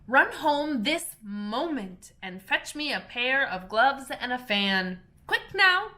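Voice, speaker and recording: A woman voicing a fussy, anxious male white rabbit who squeaks and scolds in a high, frantic voice. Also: sing-song, slow, sharp tone, exaggerated voice. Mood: bossy.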